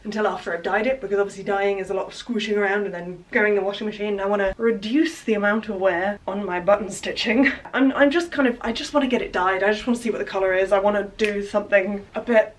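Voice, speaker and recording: A woman's voice: mid-range voice, fast talker, hardly any pauses. A young English woman talks through her sewing at home in a casual vlog, chatty and self-mocking, often laughing at herself. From England. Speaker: sewing vlogger.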